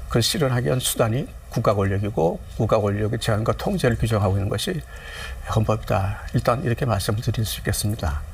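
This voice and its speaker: This man talks at a very fast pace. There is noticeable background noise. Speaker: law professor. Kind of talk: studio discussion.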